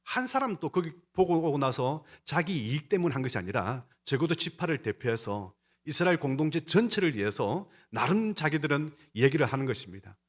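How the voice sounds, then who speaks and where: A man's voice: a little high, big pitch swings, fairly quick, hardly any pauses. A male pastor preaching a sermon and speaking straight to his congregation, with an emphatic delivery that rises and falls. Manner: emphatic, rising and falling delivery; talks to the congregation directly.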